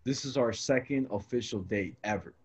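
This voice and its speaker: A man hosting a casual chat, talking in a relaxed, slangy way and telling stories. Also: medium pitch, normal speed, slightly rough. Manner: slangy and laid-back, full of "bro" and "you know what I'm saying". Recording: lo-fi, slightly dull sound.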